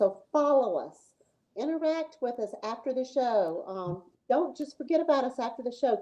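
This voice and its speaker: This woman's high-pitched voice has a dark, mellow tone, lively intonation and a slight Southern US accent. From Mississippi, US South. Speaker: painter. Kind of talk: live interview.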